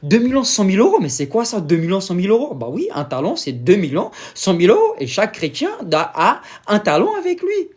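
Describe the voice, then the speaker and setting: A man from Brazil, a native Portuguese speaker with a Brazilian accent, giving an informal sermon in halting French with many fillers and pauses to search for words. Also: high-pitched, wildly swooping pitch, darkish tone. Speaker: preacher.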